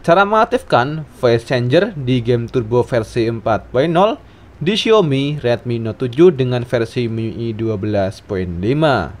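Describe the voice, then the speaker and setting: A man reading a step-by-step phone tutorial as a scripted voice-over, in a steady instructional way. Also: mid-range voice, unhurried. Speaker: tech tutorial narrator. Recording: voice-over with faint background music.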